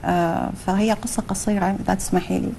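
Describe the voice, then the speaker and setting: A young woman with an Iraqi Arabic accent, a guest in a TV studio interview, talking with many pauses and fillers and slipping in English phrases. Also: mid-range voice, fairly even intonation, creaky, warm tone, a little hiss or hum. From Iraq.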